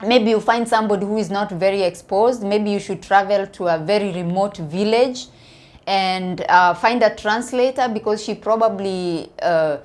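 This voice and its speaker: A woman from Kenya with a Kenyan accent, talking casually to viewers about her opinions in a halting way, repeating words for emphasis. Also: mid-range voice. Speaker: online video commentator.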